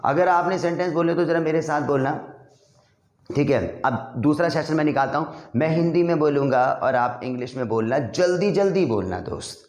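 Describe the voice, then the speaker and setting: Brisk encouraging male English teacher. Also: a little high, darkish tone, roomy sound. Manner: brisk, encouraging, addresses students as brother. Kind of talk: spoken English class.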